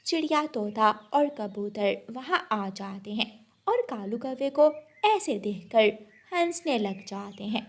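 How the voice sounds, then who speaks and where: A woman's voice: on the high side, lively intonation, slow pace. A woman narrating a children's cartoon story and ending with a moral and a request to subscribe.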